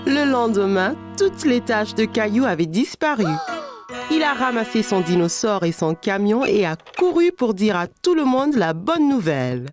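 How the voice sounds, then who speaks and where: A woman playing a gentle narrator in a children's cartoon, reading scripted story lines with expressive, clear phrasing. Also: mid-range voice, moderate pace, over music, lightly acted. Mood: storytelling.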